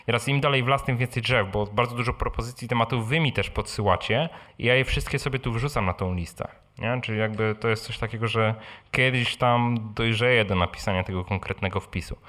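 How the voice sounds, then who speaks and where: A man's voice: medium pitch, fairly quick, few pauses, fairly bright tone. A man hosting a live question-and-answer session, speaking informally and conversationally, often tacking on short tag questions. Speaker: blogger and podcast host answering audience questions. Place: live meeting in a room with an audience.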